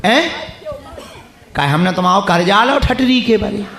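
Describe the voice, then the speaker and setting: High-voiced man teasing a stadium crowd. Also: expressive, a little slow, creaky, a bit bright, reverberant, a little hiss or hum. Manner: teasing, bantering with audience members. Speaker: preacher leading a religious gathering. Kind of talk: live address to a crowd. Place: packed stadium.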